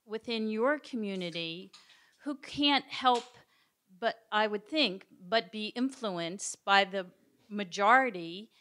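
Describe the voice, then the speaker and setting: A woman's voice: mid-range voice, animated, takes it slowly, fairly bright tone. A woman in a lecture audience asking a long question carefully and hesitantly, with many fillers. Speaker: audience member.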